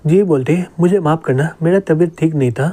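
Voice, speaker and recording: Male narrator for a comic recap, warm low-brightness tone, reads every role in his own voice. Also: fairly quick. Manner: even storytelling, "he says" before each quote. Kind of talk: scripted narration, reading every character plainly.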